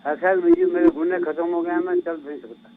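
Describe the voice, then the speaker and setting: A man's voice: sits high, sing-song, a little fast, creaky. Elderly man calling on a noisy line. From Delhi, India. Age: seventies. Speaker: phone-in viewer. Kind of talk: brief plain caller questions. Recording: muffled, noisy phone line.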